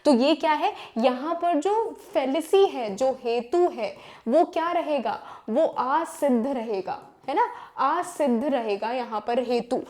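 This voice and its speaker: Young female tutor, high voice, quizzes her class with questions as she explains. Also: lively intonation, slow pace, darkish tone. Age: young adult. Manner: explains with rhetorical questions, mixes in English terms. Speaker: teacher. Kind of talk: exam-prep lecture.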